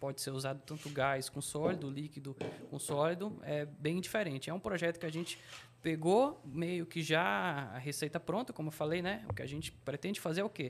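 Using an unremarkable speaking voice, a man talks at a moderate pace in a fairly high pitch with ordinary pitch variation. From Bahia, Brazil (Guanambi). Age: 20s. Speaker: engineering student, rocket team captain. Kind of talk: casual chat. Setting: studio.

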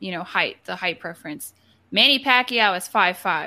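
A woman's bright, sharp tone in a very clean recording with a silent background. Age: young. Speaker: military veteran and content creator. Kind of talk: casual chat.

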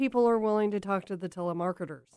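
A woman with a normal speaking voice talks at medium pitch with fairly even intonation. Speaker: Medicare broker. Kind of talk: radio interview, advice call-in.

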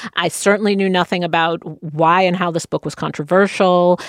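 A woman with a New York accent speaks fairly quickly at a fairly low pitch, her intonation fairly even. The recording is very clean and dry, close-miked with a silent background and no echo. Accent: New York American. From New York City (Queens). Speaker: radio host and journalist. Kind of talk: interview.

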